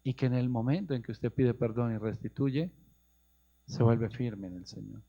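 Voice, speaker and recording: A man with a Colombian accent preaching a sermon as a pastor, rising into high emphatic questions and calling his listeners brother. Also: moderate pace, gravelly. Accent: Colombian Spanish. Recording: muffled lo-fi radio broadcast.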